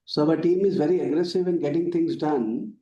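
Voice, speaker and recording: A man with an Indian accent giving formal, halting explanations as a company executive on a business call. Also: a little high, warm tone, dull audio. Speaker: company executive answering questions. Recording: echoey room on conference call.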